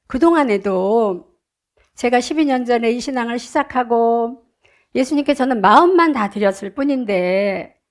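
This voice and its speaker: On a very clean recording with a silent background, a woman talks fairly slowly at high pitch with lively intonation. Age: 70s. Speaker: church deacon giving testimony. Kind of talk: testimony.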